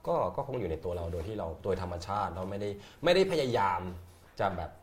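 A man's voice: deep voice, big pitch swings, fast, a little hiss or hum. A man, a theatre director, talking casually in an interview, rambling and repeating words as he thinks aloud. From Thailand.

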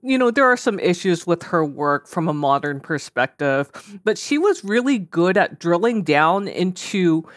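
A woman's voice: on the low side, very animated, measured pace, few pauses, dry recording, studio quality. A woman author whose first language is Korean, chatting casually as an interview guest, self-deprecating and full of fillers. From South Korea.

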